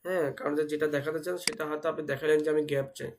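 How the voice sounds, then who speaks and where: A young man, sick with a fever that makes him speak slowly, leads a live online web development class, spelling out terms, repeating words and explaining each step. His fairly high, creaky voice is racing with fairly even intonation. Slight background noise can be heard.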